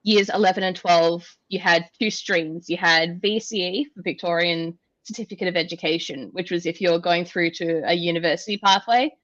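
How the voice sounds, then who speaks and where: A young Australian woman, an engineer, explaining things in a relaxed, rambling way with many "um"s during an interview. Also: fairly low pitch, no room sound. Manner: relaxed, explanatory, frequent "um" pauses. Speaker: guest, industrial automation engineer. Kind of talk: casual interview answers. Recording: dull lo-fi dry audio.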